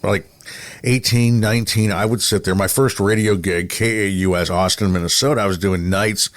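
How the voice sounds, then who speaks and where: Man, low voice, middle-aged or older, chatty podcast host, rambling storyteller, casual. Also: steady tone, moderate pace. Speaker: podcast host, radio veteran. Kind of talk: casual chat, interviewing.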